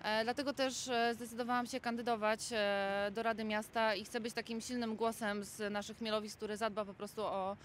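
A woman speaks as a council candidate at an outdoor press conference, in a flat, slightly high voice. She pauses often and fills gaps with hesitations. Faint traffic noise hangs behind her. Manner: hesitant, many filler pauses. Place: outdoors in a city.

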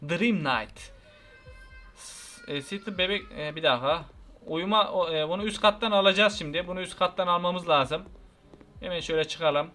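A young man from Turkey giving chatty let's-play commentary on a horror game, talking to his viewers and crying out loudly at the scares. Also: high voice, normal speed, soft background music. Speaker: gaming channel host.

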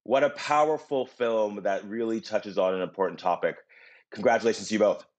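A man with a low voice speaks as a moderator, introducing guests and asking questions. He is on a video call from a room indoors. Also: a little fast. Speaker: moderator, executive director. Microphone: video call with earbuds.

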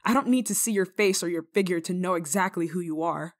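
A woman playing a stern but kind-hearted village nun in a dramatic roleplay monologue, scolding and teasing with theatrical pauses. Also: on the low side, natural voice. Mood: indignant, scolding.

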